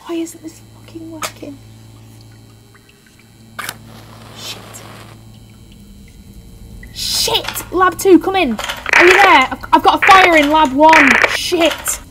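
A woman's voice: very high voice, takes it slowly, pauses often. A woman playing an urgent, foul-mouthed Arctic research scientist in an audio drama. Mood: desperate. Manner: urgent, sweary, breaking into cries. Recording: very noisy radio-drama sound, clicks.

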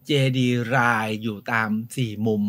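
A man hosting a tour, telling stories in a lively, polite, informal way outdoors. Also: mid-range voice, moderate pace. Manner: lively storyteller, polite, often adds polite particles. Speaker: host and tour guide. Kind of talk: informal guided-tour storytelling. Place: outdoors at a temple.

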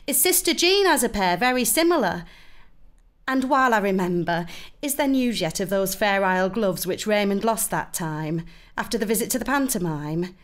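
A fussy British mother acted by a woman voices a polite letter of complaint. She is prim and mildly reproachful, with a mid-pitched voice, as in a comic dramatic monologue. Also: expressive, moderate pace, natural voice. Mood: prim, aggrieved. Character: fussy, politely aggrieved mother writing to school.

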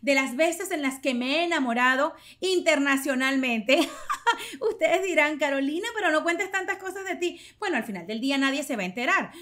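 A lively woman in her forties, high-pitched and bright, spins a casual story into a studio mic. She laughs often and talks with her hands the whole time. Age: 40s. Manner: animated, laughing, gesturing with both hands. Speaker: podcast host. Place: small studio with purple backdrop. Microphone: studio microphone with headphones.

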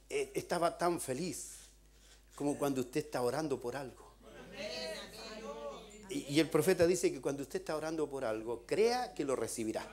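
A Chilean male pastor preaching a sermon in church, retelling a vision with repeated "dice" and rising to loud, impassioned pleas. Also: mid-range voice. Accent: Chilean Spanish.

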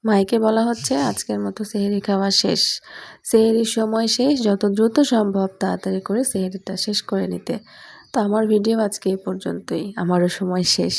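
Chatty gravelly-voiced woman with a Gazipur accent. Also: mid-range voice, darkish tone. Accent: Gazipur Bangla. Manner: chatty, explains each dish to viewers. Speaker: mother and home cooking vlogger. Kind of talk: casual home vlog narration. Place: home kitchen.

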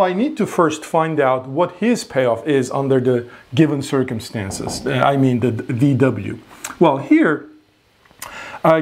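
A man's voice: a little high, darkish tone. A man in his forties giving a whiteboard lecture, explaining step by step, restarting words and checking in with listeners. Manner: explanatory, repeats words while thinking, frequent "all right?" checks. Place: classroom in front of a whiteboard.

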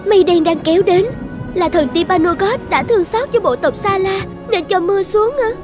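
A woman playing a devout, self-sacrificing young tribal maiden in an animated folktale, earnest and reverent. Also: very high-pitched, moderate pace, music in the background. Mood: grateful wonder. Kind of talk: dubbed animated folktale acting.

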